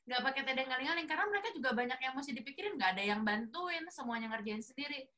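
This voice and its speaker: A woman hosts a casual interview and asks friendly questions. Her voice is bright and sits slightly high. She keeps the talk easy and relaxed. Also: very fast. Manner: friendly, asks questions, short backchannel replies. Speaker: interviewer host.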